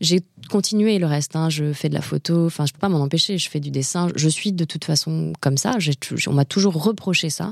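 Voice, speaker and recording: A woman speaks at a fairly quick pace in a fairly low pitch, with ordinary pitch variation and a dry, close sound with no echo. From France, Ardèche. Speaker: actress and singer. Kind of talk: casual interview. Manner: hesitant, many fillers and repetitions.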